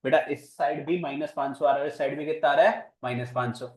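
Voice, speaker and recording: Brief: male commerce teacher, slightly high voice, playful, quizzes students. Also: fairly even intonation, fast talker. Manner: playful, teasing, questions students. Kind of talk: classroom lecture. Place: classroom.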